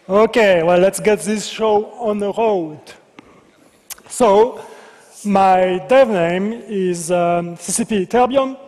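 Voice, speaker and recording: A man's voice: sits high, takes it slowly, a little mellow. French-accented man in a reverberant hall. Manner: playful, self-deprecating, joking asides. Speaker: senior game designer presenting. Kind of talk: conference presentation. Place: large convention hall.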